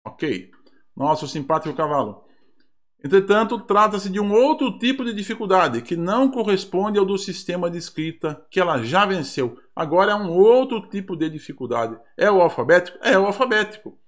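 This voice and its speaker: A man's voice: high-pitched, animated, moderate pace. A man with a Brazilian Portuguese accent, a teacher reviewing mock exam questions in an online lesson, reading aloud with ironic asides.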